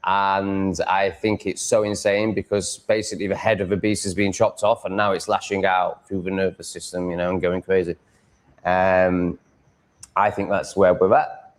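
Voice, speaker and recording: A man's voice: sits low, flat delivery, moderate pace. A man with a Yorkshire accent chatting casually as a livestream host, rambling in a blunt, crude, sweary way. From Yorkshire, England.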